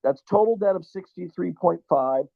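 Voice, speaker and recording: A man's voice: sits high, lively intonation, moderate pace, gravelly, lo-fi sound. A man arguing the bull case in a stock debate, reeling off valuation figures with repeated stammers. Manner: argumentative, reels off figures, stammers. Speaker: debate guest. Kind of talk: bull versus bear debate.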